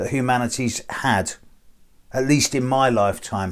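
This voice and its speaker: A fairly slow delivery in an English accent, with ordinary pitch variation, on a very clean recording with a silent background. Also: man. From England. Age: 60s. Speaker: astrologer. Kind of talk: casual monologue to camera. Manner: occasional stumbles and fillers.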